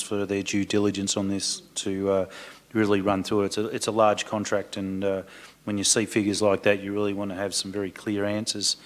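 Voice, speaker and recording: A male councillor giving brief, plain remarks at a council meeting, halting now and then. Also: on the low side.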